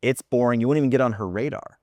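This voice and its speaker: A man's voice: mid-range voice, quick pace, no echo. A man from the United States hosting a podcast, talking animatedly, exaggerating for comic effect, and swearing freely. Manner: animated, profane, exaggerating for laughs. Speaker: podcast host. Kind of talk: casual chat.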